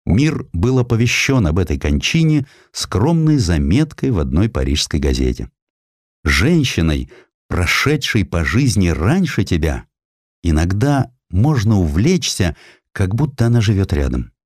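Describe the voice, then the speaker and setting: A man reading a historical essay as a dramatic audiobook narrator, with expressive, measured literary phrasing into a close studio mic. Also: sits low, no echo. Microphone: close studio microphone.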